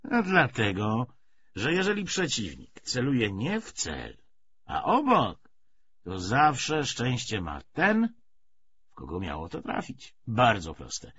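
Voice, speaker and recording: A man's voice: medium pitch, wildly swooping pitch, slow, fairly bright tone, exaggerated voice. A man reading an audiobook, voicing a weary, cynical, persuasive Bolshevik official with emphatic, hesitating, rhetorical speech. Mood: persuasive, fervent. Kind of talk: dramatised audiobook dialogue. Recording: dull lo-fi audio, faint noise.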